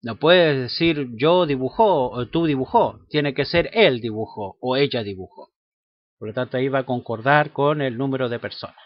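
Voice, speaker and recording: A man teaching a grammar lesson in a slow, halting way, with many fillers and tag questions. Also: medium pitch, dry recording. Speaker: language teacher. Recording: dull lo-fi sound.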